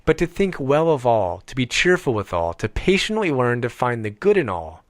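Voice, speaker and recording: Man, audiobook narrator, animated pitch movement, dry close sound, deliberate phrasing. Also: dry recording. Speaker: audiobook reader.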